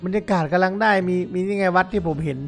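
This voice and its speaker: A man giving excited game commentary to his viewers, exclaiming and laughing often. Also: high voice, fast talker, soft background music. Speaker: gaming YouTuber.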